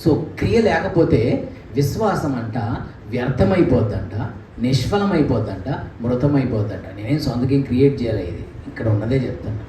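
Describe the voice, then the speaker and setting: A man's voice: mid-range voice, normal speed. A man preaching a sermon in a church, speaking animatedly with rhetorical questions and acted quotes. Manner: animated, mimics scripture voices, rhetorical questions. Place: church hall. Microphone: handheld mic. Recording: echoey church room, distant mic, faint noise.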